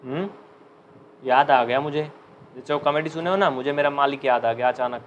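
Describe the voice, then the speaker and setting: A man's voice: mid-range voice, lo-fi sound, a little hiss or hum. Chatty male maths teacher, UP Hindi. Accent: Uttar Pradesh Hindi. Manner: chatty, joking, dictates slowly. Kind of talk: live online class.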